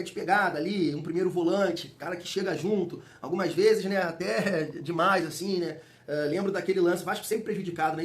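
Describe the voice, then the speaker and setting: A man hosting a casual football fan vlog, talking in an excitable, emphatic, slangy way and still getting over a cold. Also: sits high. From Rio de Janeiro, Brazil. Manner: excitable, emphatic and slangy, addresses viewers as family. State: recovering from a cold. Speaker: football fan channel host.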